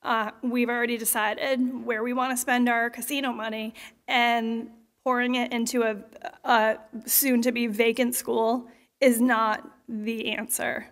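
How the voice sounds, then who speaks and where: A woman resident speaks at the podium during public comment, measured and hesitant, often stopping on fillers. Her voice is somewhat high and she keeps a flat, even tone. The sound carries long reverb from a big auditorium. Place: large school auditorium. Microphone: podium microphone.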